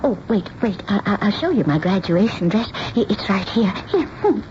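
An actress playing a timid, eager elderly spinster seamstress in a radio drama, hesitant, stammering and childlike. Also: female voice, mid-range voice, big pitch swings, normal speed, close to an everyday voice. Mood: shy, eager. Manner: hesitant, stammering, breathlessly earnest. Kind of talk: old-time radio drama acting. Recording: dull, noisy old radio broadcast.

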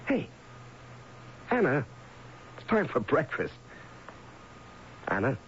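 An actor playing a gruff, insistent ex-convict husband in an old-time radio drama, speaking colloquially and pushing with questions. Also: male voice, medium pitch, wildly swooping pitch, slow pace. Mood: relaxed, cheerful. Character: gruff, insistent husband just pardoned from prison. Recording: dull, noisy old radio broadcast.

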